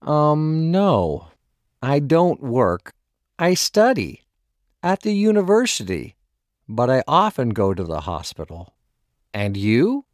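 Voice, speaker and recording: Man, mid pitch, lively intonation, slow clear lesson reading. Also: no room sound, studio quality. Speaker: dialogue reader. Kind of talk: scripted language-lesson dialogue.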